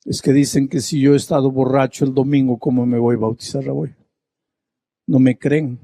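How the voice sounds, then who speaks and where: A man voicing a grieving, remorseful middle-aged man who speaks low, hushed and halting. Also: level tone, no echo, natural voice. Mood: resigned.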